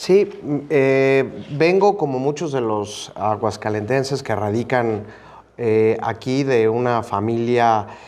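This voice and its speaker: Speaking very slowly, a man uses a lively, varied intonation. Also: medium pitch for a man. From Mexico, Aguascalientes. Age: 30s. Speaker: government spokesperson. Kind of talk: interview.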